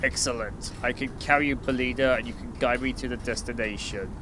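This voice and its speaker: A man's voice: mid-range voice, fairly even intonation, a little fast, lightly acted. A man playing a grumpy, sarcastic birdman hero in an audio drama, with a dry, impatient manner. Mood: brisk, impatient. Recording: noisy amateur audio recording.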